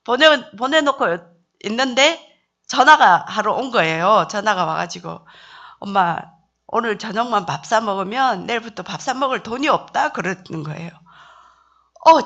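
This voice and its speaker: A middle-aged woman gives an emotional church testimony and acts out her own prayers aloud. Her voice is bright and clear, and her pitch sits a little high. She tells the story with wide swings up and down. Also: lively intonation, moderate pace, muffled recording. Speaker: missionary wife giving testimony.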